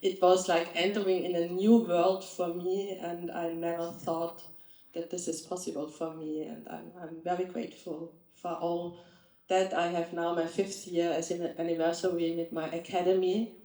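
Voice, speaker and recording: Austrian woman panelist, low, mellow voice, earnest, echoey hall. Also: level tone, normal speed. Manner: earnest, some non-native slips. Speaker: nutritionist, panelist. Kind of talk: panel talk. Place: live event stage. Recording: echoey event room.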